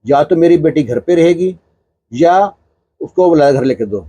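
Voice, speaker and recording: A man's voice: on the high side, lively intonation, warm tone, breathy edge. A man voicing an angry, scolding mother. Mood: indignant. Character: angry protective mother of the bride.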